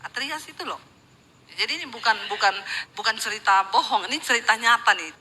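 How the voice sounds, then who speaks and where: Bright-voiced woman pastor preaching. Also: on the high side, brisk, poor audio. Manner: lively storytelling with acted quotes and jokes. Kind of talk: live church sermon.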